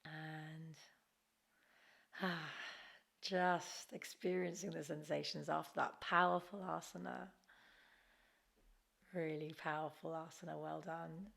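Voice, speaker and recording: Female yoga instructor, gentle and encouraging, very unhurried delivery, gravelly fry in the voice. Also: deep voice, flat delivery. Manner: gentle, encouraging, unforced guidance. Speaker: yoga teacher. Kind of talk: guided Kundalini yoga class instruction.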